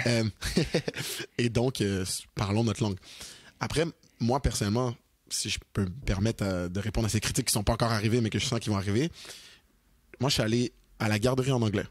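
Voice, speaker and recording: A young man with a Québécois French accent chatting on a podcast. He talks in a lowish, husky voice with a lively, slangy, animated manner and slips into English at times. The sound is close and dry, with no room in it. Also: fairly quick, pauses often, no room sound. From Quebec, Canada. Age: young adult. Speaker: podcast co-host. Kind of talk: casual chat.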